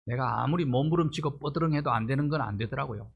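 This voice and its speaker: A man's voice: mid-range voice, fast, gravelly, slightly rough, highs cut off. A middle-aged male pastor delivering a sermon, pressing his points with rhetorical questions and rising emphasis.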